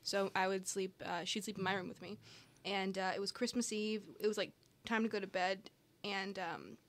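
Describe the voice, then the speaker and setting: A woman's voice: mid-range voice, steady tone, normal speed, a bit bright. A young woman co-hosting a podcast, chatting casually and telling stories with playful quoted voices. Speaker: podcast co-host. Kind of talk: casual chat.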